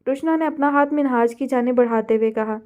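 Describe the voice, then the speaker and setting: A woman's voice: sits high, brisk, darkish tone. A woman hosting an audiobook novel reading, who greets her listeners in polite, formal words before she reads. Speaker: novel reader, channel host.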